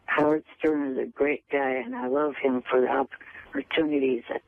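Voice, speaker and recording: A man's voice: medium pitch, fairly even intonation, moderate pace, vocal fry. A man calling a radio show, speaking in a terse, unimpressed way. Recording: tinny phone line.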